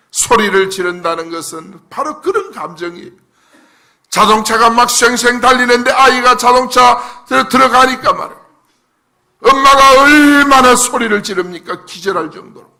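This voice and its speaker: A male pastor preaching a fervent sermon, swinging between loud shouted prayers and low asides. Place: church sanctuary.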